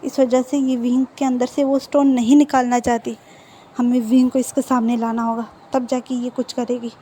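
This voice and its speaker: A woman's voice: on the high side, level tone, moderate pace, warm tone, slight background noise. A woman casually retelling a fan fiction story in a chatty, loose way. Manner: chatty, full of fillers and restarts.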